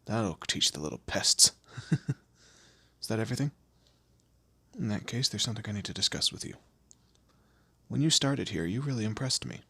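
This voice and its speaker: A man playing a commanding, teasing demon lord in an audio roleplay, with a low gravelly, husky voice and an imperious, theatrical manner. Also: lively intonation, normal speed, long pauses, pushed and bright, dry recording, full character voice. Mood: irritated, amused, then measured praise. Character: male demon lord, commanding, menacing, teasing boss of hell. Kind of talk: scripted audio roleplay addressed to the listener.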